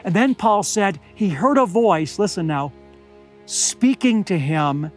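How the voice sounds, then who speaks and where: An older man preaching a sermon outdoors at high altitude, slightly hoarse, earnest and deliberate, slowing down to stress key words. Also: no echo. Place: outdoors among pine trees at high altitude.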